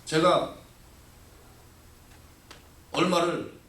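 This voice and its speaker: A man's voice: on the high side, flat delivery, drawn-out words, fairly bright tone. A pastor voicing an insistent woman who demands blessing prayers and then complains, heard from a distance in an echoey church hall.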